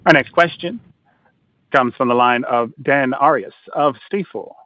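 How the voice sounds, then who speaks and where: A man with a mid-pitched voice reads scripted operator announcements. It comes through a dry, narrow telephone connection. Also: measured pace, dry recording. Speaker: conference call operator. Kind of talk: scripted call instructions.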